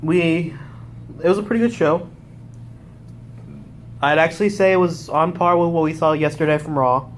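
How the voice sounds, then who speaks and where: A man's voice: fairly high pitch, moderate pace, long pauses, a little hiss or hum. A young man casually recapping a wrestling show live, rambling and correcting himself as he goes. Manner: rambling, self-correcting, excitable.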